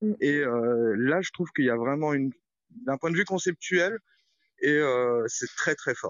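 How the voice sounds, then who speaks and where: A fairly high male voice with lively intonation and long, frequent pauses. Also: fairly slow pace. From Morocco. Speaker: digital artist and architect. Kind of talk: interview. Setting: live audio room.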